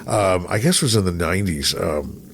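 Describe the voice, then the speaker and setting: Low-voiced middle-aged man telling stories. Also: a little fast, creaky. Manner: storytelling, acts out quoted remarks. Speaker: radio personality, podcast guest. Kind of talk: casual anecdotal chat. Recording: noticeable background noise.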